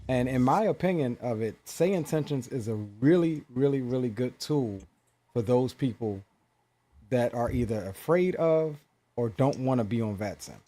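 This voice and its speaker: Man, mellow warm voice, measured, explanatory, casual chat. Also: mid-range voice, animated. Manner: measured, explanatory, frequent ums. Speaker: guest flight sim creator.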